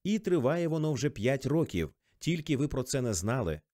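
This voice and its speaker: A man's voice: mid-range voice, big pitch swings, normal speed, a little mellow, dry recording, clean studio sound, close to an everyday voice. A man voicing a rich young man in love, speaking earnestly and insistently.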